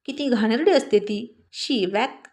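A woman's voice: fairly high pitch, measured pace, a little mellow. A woman doing a huffy, feisty wife. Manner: huffy, scolding. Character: fussy, feisty wife and mother.

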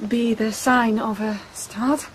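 High-voiced coy, scheming noblewoman. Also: steady tone, slight background noise. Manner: hesitant, breathy, coy, trailing pauses. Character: young noblewoman, coy, scheming, guardedly feigning affection. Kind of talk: radio drama acting. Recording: radio play with clear background ambience.

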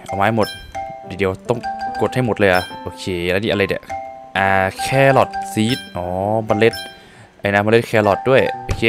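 A man's voice: fairly low pitch, normal speed, music in the background. A man playing a video game, reading out and translating the dialogue in a casual, joking way. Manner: lively, laughs often, swears casually. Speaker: gaming streamer. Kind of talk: casual let's-play commentary, translating dialogue.

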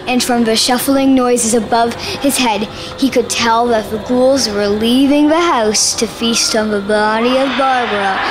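A woman's voice: a little high, noisy background. A woman reading scripted narration for a radio play on stage. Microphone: stand microphone. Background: music.

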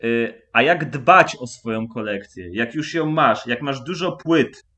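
A man's voice: mid-range voice, unhurried, sharp tone. A man hosting a casual, conversational interview over a video call. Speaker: interviewer, host.

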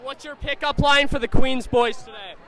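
A man's voice: very high voice, fairly even intonation, moderate pace, heavy background noise. A man asking questions casually as a street interviewer. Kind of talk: casual vox-pop interviewing. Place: outdoors at a crowded street party. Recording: outdoor crowd with music behind.

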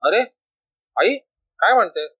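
A man voicing a calm, earnest young male prisoner who reassures his mother, in a storybook reading on a dull lo-fi recording. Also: high-pitched, slow, breathy edge, dry recording, heavily acted. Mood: reassuring.

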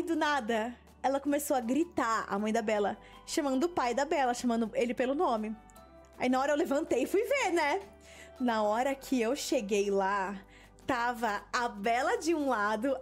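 A young Brazilian woman tells a story in a casual, animated way, her voice high and full of swings in pitch. She acts out what people said as she goes, over faint music in the background. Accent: Brazilian Portuguese. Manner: animated, laughing storyteller who acts out quotes. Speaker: gaming video host. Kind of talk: casual storytelling while playing a game.

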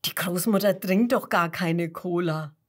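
A woman's voice: lowish voice, measured pace. A woman voicing Seppel, a helpful, thoughtful young male puppet friend who muses agreeably, in a story for small children. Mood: agreeable.

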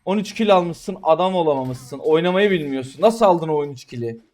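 A man narrates his mobile game match in a slightly high voice. He complains at his teammates in an exasperated way and breaks into excited shouts. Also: brisk, soft background music. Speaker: gamer streamer. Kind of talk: live gameplay commentary.

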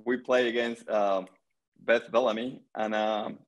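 A middle-aged man from Argentina, a guest player chatting relaxed on a video call from home, with many pauses. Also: mid-range voice. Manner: relaxed storytelling, many pauses and "um", gestures with hands. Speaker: guest, senior pro pickleball player. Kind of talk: casual video call interview. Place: small room indoors at home. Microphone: laptop webcam on video call.

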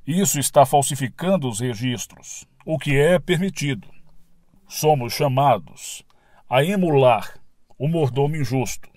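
A man with a Brazilian accent reading a spiritual lecture as scripted narration, in a measured, didactic way. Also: medium pitch, darkish tone, no room sound.

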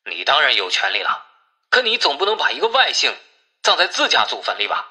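An anxious village kinsman on a filtered phone call, performed by a male narrator. His tone is very bright and tense, at a middling pitch. He pleads and sighs with resignation in this audiobook drama. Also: huge pitch swings, a little fast, heavily acted. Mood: earnest. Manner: pleading, sighing.

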